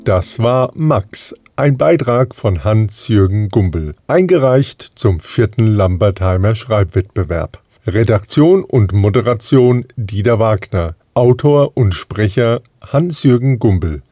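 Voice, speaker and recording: Slow, dark-voiced male announcer. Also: fairly low pitch, animated, dry recording, clean studio sound. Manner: slow, deliberate. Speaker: radio host reading credits. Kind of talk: scripted announcement.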